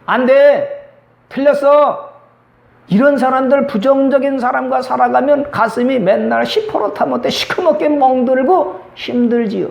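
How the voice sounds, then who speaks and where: A male pastor preaching a Sunday sermon in a lively way, acting out little dialogues. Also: extremely high pitch, moderate pace, gravelly, few pauses, echoey room. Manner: lively, acts out quoted dialogue. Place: church sanctuary.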